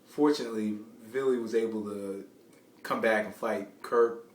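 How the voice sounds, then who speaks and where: A man giving informal, unscripted boxing commentary in a rambling, halting way, often repeating phrases as he restarts. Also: on the low side, steady tone. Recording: roomy, distant mic, faint background noise.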